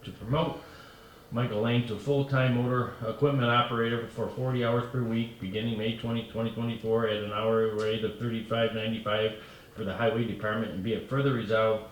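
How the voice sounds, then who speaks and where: A man on a town board reading a formal resolution aloud, stumbling and slowing over the numbers, in a town hall. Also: on the low side, little pitch movement. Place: town hall meeting room. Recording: echoey room, far from mic, faint noise.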